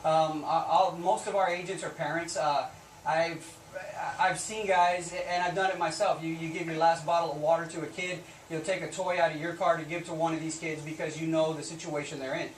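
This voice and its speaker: Higher-voiced male border officer, echoey and distant. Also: little pitch movement, a little fast. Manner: border officer's earnest, insistent, plain-spoken argument. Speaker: Border Patrol agent being interviewed. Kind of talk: live news interview answers. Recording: roomy echo, distant mic, faint noise.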